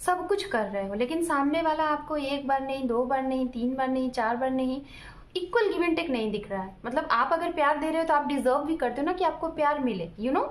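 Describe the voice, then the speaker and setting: A woman's voice: high voice, animated, moderate pace. A woman tarot reader giving casual relationship advice, talking straight to her viewers and explaining with everyday examples. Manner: explains with everyday examples, often checks in with "ठीक है"; addresses viewers directly.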